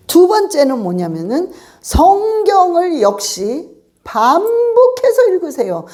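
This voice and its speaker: A woman pastor from Korea delivers a sermon in a high voice. Her pitch leaps and dips all the time as she presses each point home. She repeats her urgings again and again to her listeners. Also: warm tone. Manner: emphatic, repetitive exhortation addressing the congregation.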